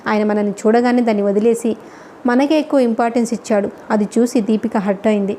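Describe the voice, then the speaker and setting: A woman voicing a thoughtful young woman student who speaks in a steady, reflective way. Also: fairly high pitch, fast talker, a little hiss or hum, lightly acted. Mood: calm, reflective.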